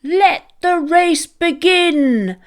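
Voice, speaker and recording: A woman's voice: very high-pitched, animated, very slow, voice pushed up, heavily acted. A woman voicing a cheerful, eager male ram with a bleating delivery for a children's storybook.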